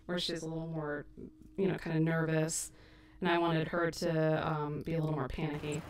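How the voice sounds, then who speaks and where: A woman chats casually while editing on a livestream, self-deprecating and quick to laugh. Her fairly low voice has a gravelly fry, and she sits back from an echoey mic. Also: little pitch movement. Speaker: audio drama creator and host. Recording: echoey stream mic from a distance.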